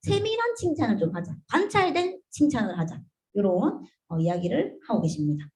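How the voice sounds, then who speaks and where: A woman giving a seminar lecture to business partners, animated, often starting with "자" and asking the room rhetorical questions. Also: a little high, a little fast.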